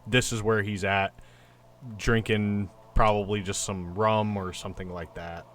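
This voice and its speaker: A man's voice: lowish voice, flat delivery, measured pace, fairly bright tone. A man playing a tabletop roleplaying game, casually describing what his character does. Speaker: player in a tabletop game podcast.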